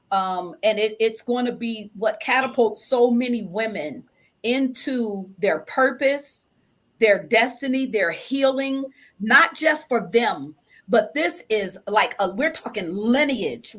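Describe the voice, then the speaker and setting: Her voice is on the high side with a fairly bright tone as this stage play guest chats in an interview. She speaks with emphasis and returns to the same phrases again and again to stress them.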